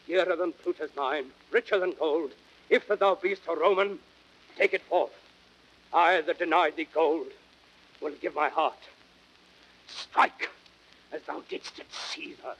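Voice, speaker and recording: Impassioned Roman nobleman, higher-pitched. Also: a bit bright. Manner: impassioned, declamatory theatrical verse delivery. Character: Cassius, passionate, wounded, hot-tempered Roman nobleman. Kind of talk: classical Shakespearean audio drama acting. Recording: dull, noisy vintage drama record.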